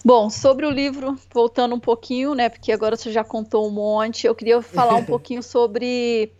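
A woman's voice: a little high, level tone, moderate pace, a little mellow. A woman, hosting a podcast interview in chatty, self-deprecating talk. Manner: chatty, self-deprecating, lots of tag questions. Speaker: podcast host. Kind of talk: casual interview chat. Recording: dull lo-fi sound.

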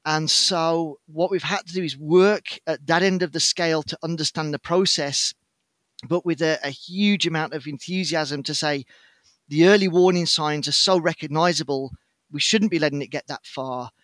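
A man's voice: on the high side, a bit bright, no echo. Articulate British man, dry close sound. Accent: British English. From United Kingdom. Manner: articulate, measured explanations with frequent fillers. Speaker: podcast guest, outdoorsman. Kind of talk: casual podcast interview.

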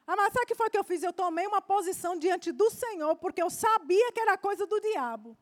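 Woman preacher, very high voice, fervent sermon, soft tender asides. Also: lively intonation, brisk. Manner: fervent, often drops soft to address listeners as beloved.

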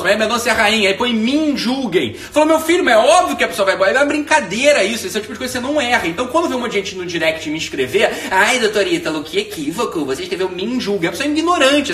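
Ranting high-voiced man, echoey room. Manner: profane, ranting, animated. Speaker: online course teacher. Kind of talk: casual monologue to followers. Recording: echoey room, voice far from mic.

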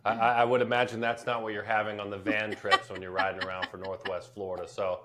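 A man's voice: fairly low pitch, level tone, fast, background noise. A man hosting a conversational sports podcast, speaking earnestly and often repeating words for emphasis. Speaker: podcast host.

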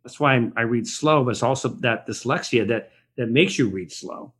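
A man's voice: medium pitch, normal speed, fairly bright tone, breathy edge. A middle-aged man as an interview guest, talking in a rambling, reflective way with frequent restarts. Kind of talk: conversational podcast interview. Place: Los Angeles area.

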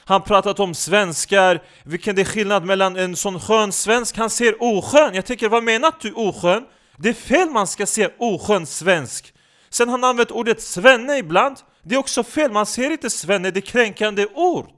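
A man voicing a brash, excitable comedian who speaks loud, broken Swedish. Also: high-pitched, pitched above the performer's own voice. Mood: indignant. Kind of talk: comedy podcast sketch.

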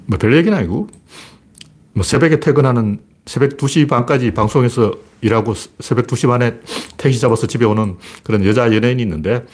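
A man's voice: lowish voice, darkish tone, husky. A man giving casual political commentary in a sarcastic, mocking way, with scoffing asides and emphatic rises to drive his points home.

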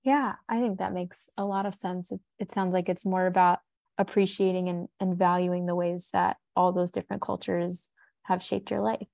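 Woman podcast host with a creaky voice. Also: fairly low pitch, little pitch movement, normal speed, darkish tone. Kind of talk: casual interview.

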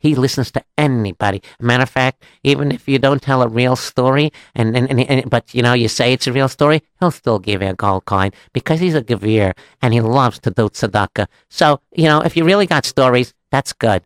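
A man's voice: medium pitch, fairly quick, hardly any pauses, clear, resonant tone, no room sound, clean studio sound, natural voice. A man voicing a wry, teasing Jewish townsman in a story, with a knowing, drawling manner. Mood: teasing, admonishing.

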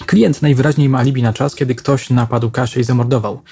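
A man voicing a calm, cautious male police investigator who speaks in a measured way. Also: mid-range voice, vocal fry, lightly acted. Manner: measured, restraining.

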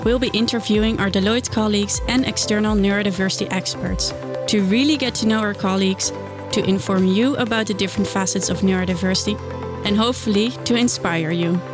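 A woman reads a scripted podcast introduction in a clear, steady way. Her voice is mid-pitched, and clear music plays underneath her. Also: a little fast. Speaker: podcast host.

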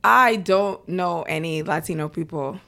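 A young woman from Brooklyn in casual conversation, talking in a quick, reflective way. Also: on the low side, gravelly, pushed and bright. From Brooklyn, New York. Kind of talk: casual chat.

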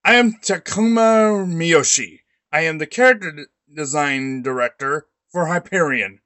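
A man as a slow-talking, self-assured director. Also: a little high, pushed and bright, no echo, voice pushed down. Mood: cool, assured. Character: self-assured male design director, coolly sizing people up.

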